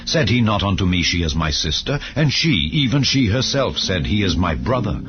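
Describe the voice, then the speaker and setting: A man's voice: low-pitched, sing-song, moderate pace. A man voicing an ancient king who earnestly and solemnly protests his innocence in a scripture audiobook. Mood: protesting innocence. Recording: dull lo-fi audio over music.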